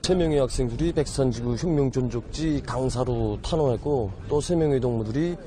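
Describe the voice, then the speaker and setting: A man's voice: mid-range voice, fairly quick, warm tone. A young man with a North Korean accent speaking in a news field interview. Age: young adult.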